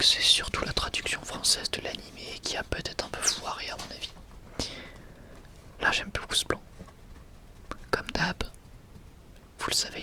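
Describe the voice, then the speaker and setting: An ASMR creator whispering breathily and close to the mic in a casual, rambling, enthusiastic way, often correcting themselves.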